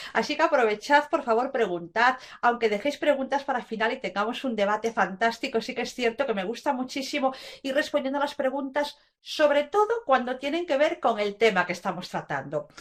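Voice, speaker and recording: A woman with a Galician accent talks at a fairly quick pace. Her pitch is high and her intonation lively. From Galicia, Spain (Lugo). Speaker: communication and public speaking trainer. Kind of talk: webinar talk. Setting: online webinar. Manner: fast; varied pace, dynamic.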